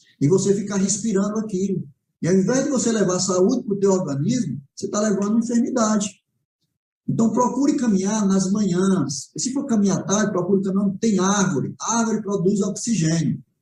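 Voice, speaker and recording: A man talks fairly quickly, his pitch high. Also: ordinary pitch variation. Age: 60s. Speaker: health lecturer. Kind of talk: lecture. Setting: stage with audience. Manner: halting, frequent filler repetitions.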